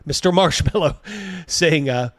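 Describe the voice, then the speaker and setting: Blunt man with a higher-pitched, dry-recorded voice. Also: unhurried, fairly bright tone, no echo. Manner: blunt, mocking, swears freely. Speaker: host of a livestream reacting to a video. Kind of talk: casual live commentary, reading viewer comments.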